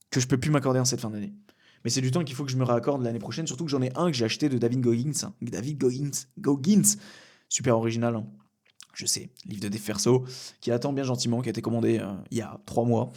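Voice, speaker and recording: A man's voice: medium pitch, darkish tone. A young man from France hosting a casual solo podcast from a small room at home, rambling with many fillers and restarts and the odd curse word. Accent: French. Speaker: podcast host.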